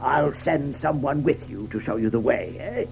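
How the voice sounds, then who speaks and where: A man's voice: medium pitch, a little slow, creaky, a little mellow, soft background music. An actor playing a hospitable older male badger in a children's audio drama, chuckling, hesitating and repeating his words. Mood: bustling, kindly.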